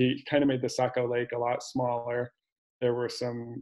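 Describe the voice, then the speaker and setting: A man's medium-pitched voice is heard over a quiet background. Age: 40s. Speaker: landscape painter. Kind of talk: presentation. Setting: video call. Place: home room. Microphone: video call.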